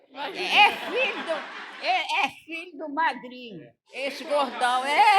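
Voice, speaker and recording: The voice is raised and projected, with lively intonation and big swings in loudness. It moves at a very slow pace, and audible room echo surrounds it. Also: woman, high pitch for a woman. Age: 80s+. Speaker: elderly church member honored by family. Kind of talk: testimony. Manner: halting.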